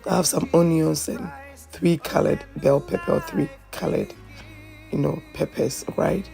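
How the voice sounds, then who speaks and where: A woman hosting a cooking video, chatty and hoarse from a flu, often checking in with "okay?". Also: low-pitched, steady tone, measured pace, warm tone, faint music behind. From Ghana. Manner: chatty, repeats phrases, asks "okay?" often. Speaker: cooking channel host. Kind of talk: casual cooking tutorial.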